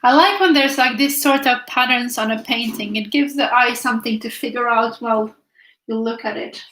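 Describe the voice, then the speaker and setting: A woman's voice: a little high, normal speed, fairly bright tone, echoey room. A young woman from Finland with a Finnish accent, chatting casually to live viewers as she paints and reads their comments aloud. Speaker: art teacher streaming live. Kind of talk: casual chat while painting.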